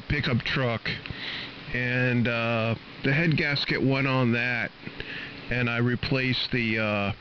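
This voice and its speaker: Slow, halting American man over noisy shortwave radio. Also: mid-range voice, lo-fi sound. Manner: halting, rambling. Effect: shortwave AM radio transmission. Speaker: amateur radio operator. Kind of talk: casual radio chat. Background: radio static.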